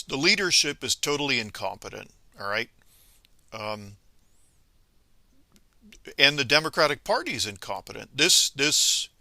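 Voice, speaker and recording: A man from Venezuela speaking a political monologue to viewers, halting with many pauses and restarts, then scolding emphatically. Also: mid-range voice, pushed and bright, dry recording. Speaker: commentator.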